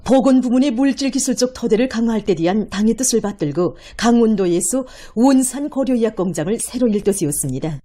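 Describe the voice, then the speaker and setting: A woman's voice: on the high side, animated, fairly quick, hardly any pauses, mellow. North Korean woman reading state news. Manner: emphatic, declamatory cadence. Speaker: news narrator. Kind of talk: formal broadcast news narration.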